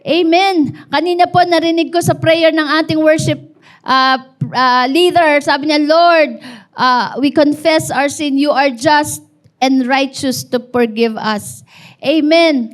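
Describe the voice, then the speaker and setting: High-voiced Filipina woman preaching. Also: slow pace. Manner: animated storytelling with call-and-response. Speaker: pastor. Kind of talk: sermon.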